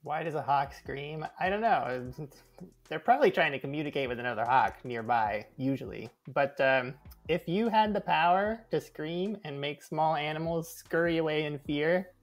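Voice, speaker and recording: A man, a guest on a podcast, telling animated birding stories with frequent laughter. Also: fairly high pitch, normal speed, soft background music. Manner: enthusiastic, laughs often. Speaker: guest birder. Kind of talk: casual interview storytelling.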